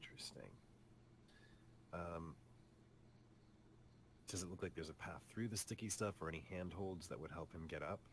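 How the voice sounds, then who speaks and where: A man playing a tabletop roleplaying game, describing his character's actions in the third person with deliberate phrasing. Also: sits low. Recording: clear background noise on mic.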